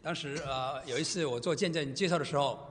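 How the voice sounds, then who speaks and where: Fast, bright-voiced preacher man in a hall. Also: on the high side, slight background noise. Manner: speaks in short phrases, pausing for the interpreter. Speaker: guest preacher. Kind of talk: sermon in Mandarin with live interpretation. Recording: long reverb of a church hall.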